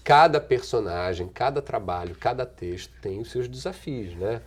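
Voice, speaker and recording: A middle-aged man with a Brazilian accent, an actor and singer answering interview questions thoughtfully, with restarts, trailing pauses and frequent chuckles. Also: mid-range voice, expressive. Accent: Brazilian Portuguese. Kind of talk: relaxed conversational interview answers.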